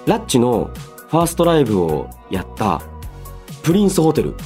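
A man hosting a solo radio show, chatting and reading listener mail in an animated way, slipping between polite announcing and casual asides. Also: medium pitch, normal speed, faint music behind. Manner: animated storytelling with sound-effect words and casual asides.

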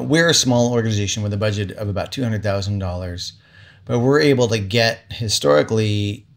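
A man who works as an arts lobbyist, explaining things in a casual way. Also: on the low side. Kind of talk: interview soundbite.

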